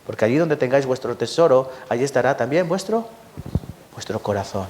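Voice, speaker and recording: A man from Spain with a Spanish accent, preaching a lively Sunday sermon in church, repeating words for emphasis and often asking the congregation questions. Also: medium pitch, brisk, a little hiss or hum. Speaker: pastor.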